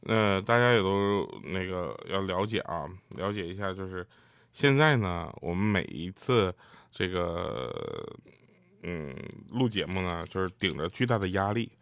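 Guy doing standup, deadpan stories, voice goes up and down a lot. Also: sits low, unhurried, smooth, no room sound, studio quality. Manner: deadpan storytelling with acted quotes. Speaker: stand-up comedian. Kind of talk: stand-up comedy set. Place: stage with live audience.

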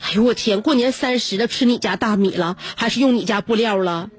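A woman's voice: fairly high pitch, fairly quick, breathy edge. Playful woman radio host, laughing. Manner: playful and teasing, laughs often. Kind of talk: casual radio chat reading listener messages. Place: radio studio.

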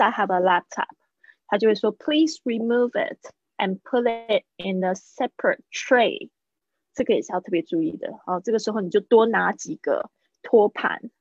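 A woman teaching English pronunciation in a live online lesson, switching between quick explanations and slow, drawn-out model phrases, repeating words several times to drill them. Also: lowish voice, creaky, a little mellow, slightly rough, no room sound, muffled recording. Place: indoors, streaming over video call.

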